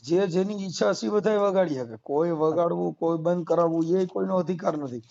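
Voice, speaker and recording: A man's voice: sits high, brisk, creaky, darkish tone. Insistent Gujarati man arguing, muffled phone recording. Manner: insistent, combative, repeats points with rhetorical questions. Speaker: debater on a phone call. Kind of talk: heated argument over the phone.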